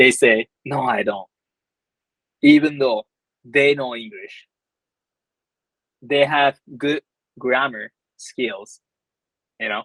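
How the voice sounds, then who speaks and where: Speaking very slowly with fairly even intonation, a man with a Japanese accent holds a medium pitch. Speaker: soccer team manager. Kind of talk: casual interview chat. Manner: halting, many fillers and repeats.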